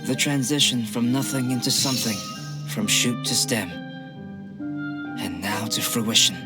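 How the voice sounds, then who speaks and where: A calm, scholarly young alchemist, as a man voices him, softly spoken and philosophical. His voice sits at an ordinary middle pitch. Game music plays clearly behind him. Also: measured pace, close to an everyday voice. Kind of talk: game voice acting.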